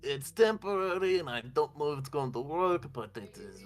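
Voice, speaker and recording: A man's voice: fairly high pitch, very animated, normal speed. A man voicing a hesitant woman mage with a put-on Russian accent.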